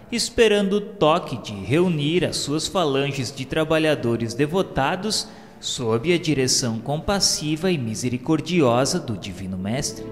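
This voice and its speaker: A man with a Brazilian accent reading scripted religious narration for a radio drama in a solemn, formal, measured way. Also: medium pitch. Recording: long reverb, music underneath. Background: music.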